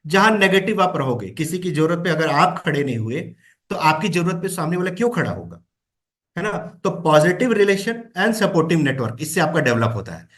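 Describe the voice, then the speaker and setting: Coaching man with a higher voice. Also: sing-song, a little fast, a bit bright. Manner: coaching, with frequent "है ना?" check-ins; mixes English phrases into Hindi. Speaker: trainer. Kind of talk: motivational talk to an audience.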